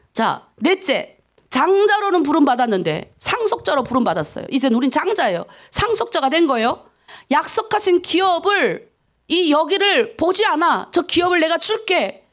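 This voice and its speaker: Woman, middle-aged, North Korean accent, pastor, dawn sermon, high voice, very lively intonation, loud to hushed. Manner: animated, swings between loud and hushed.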